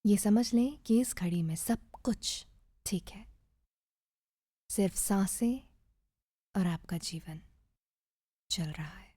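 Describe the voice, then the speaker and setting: A woman narrating a guided meditation in a soft, breathy, soothing voice, measured and with gentle pauses. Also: mid-range voice, no room sound, studio quality.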